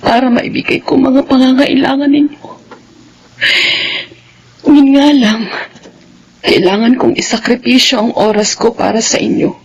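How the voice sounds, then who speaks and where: An actress playing a humble housemaid and mother who gives up time with her own children, speaking softly and deferentially. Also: sits high, flat delivery, unhurried, long pauses, muffled recording, slight background noise. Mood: apologetic. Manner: soft, deferential, pleading.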